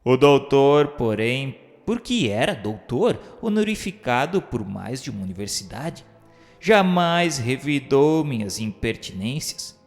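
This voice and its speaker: With big pitch swings and an unhurried mid-range voice, an actor narrates as a sardonic dead man describing his afterlife, in the manner of a theatrical, literary radio novel told in first person. The mood is wry and reflective, the tone mocking, and the recording has long hall reverb with music beneath.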